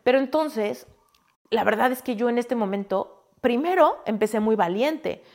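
A woman with a Mexican Spanish accent, a spiritual coach telling a personal story in a candid, expressive way and speaking straight to the listener. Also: on the high side, normal speed.

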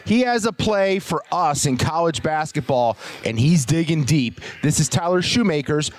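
A man's voice: a little high, animated, normal speed. A man co-hosting a sports betting show, setting up a segment casually. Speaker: co-host. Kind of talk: radio show talk.

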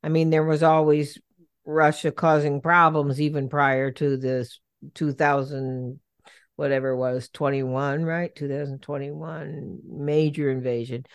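A woman's voice: sits low, flat delivery, unhurried, smooth, no room sound. A woman with an American accent hosting a casual interview, feeling her way through questions and rephrasing them as she goes. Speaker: podcast host.

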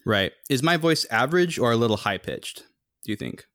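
A young man co-hosting a podcast, rambling casually with a slightly monotone, humming voice. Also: brisk, dry recording, clean studio sound. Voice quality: somewhat monotone, humming low resonance. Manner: rambling, thinks aloud with many fillers. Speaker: podcast co-host. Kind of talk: casual chat.

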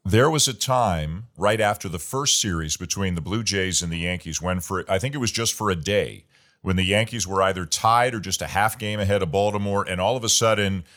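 Low-voiced man hosting a sports interview. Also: a bit bright. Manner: measured, asks long detailed questions. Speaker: podcast host and baseball play-by-play announcer.

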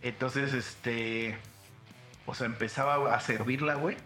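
A young Mexican podcast host with a Mexican Spanish accent tells crude, slang-heavy stories in casual chat, acting out the quotes. His mid-range voice is steady, pushed and bright, a little slow, recorded in a roomy space with music behind.

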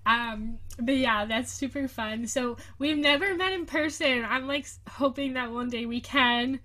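Recorded on a video call, this young woman's high, sharp voice comes through unhurried as she hosts a casual podcast chat. She giggles a lot, sounds bubbly, and fills her speech with plenty of fillers.

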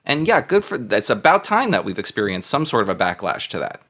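A man's voice: on the low side, fairly quick. Emphatic man arguing politics. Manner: emphatic, animated argument. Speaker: podcast panelist. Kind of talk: political discussion.

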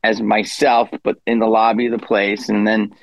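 A man's voice: lowish voice, flat delivery, normal speed, creaky, no echo, rough recording. A man in his fifties, a guest comedian telling a rambling story in a casual interview, with self-deprecating asides. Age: 50s.

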